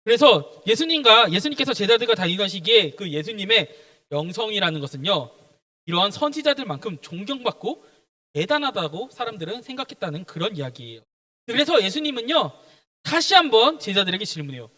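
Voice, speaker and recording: A man's voice: sits high, very animated, fairly quick, bright, forceful tone. A young man, a junior pastor, giving a children's sermon and quizzing the kids with questions as he goes.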